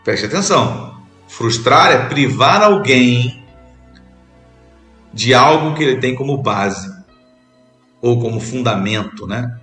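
A man from Brazil preaching a sermon as a bishop, earnest, repeating phrases for emphasis and pausing between them. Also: mid-range voice, animated, pushed and bright, reverberant, faint music behind.

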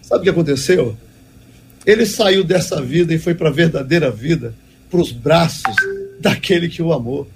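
A man's voice: fairly high pitch, normal speed, over music. A man giving a devotional teaching talk as a preacher, speaking emphatically and repeating key phrases for weight.

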